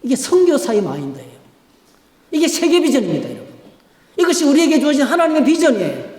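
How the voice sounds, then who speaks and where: A man preaching a sermon as pastor, emphatic, swinging between loud peaks and quiet stretches. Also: extremely high pitch, huge pitch swings, fast talker. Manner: emphatic preaching with sweeping rises and drops in volume. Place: church sanctuary. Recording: echoey church hall.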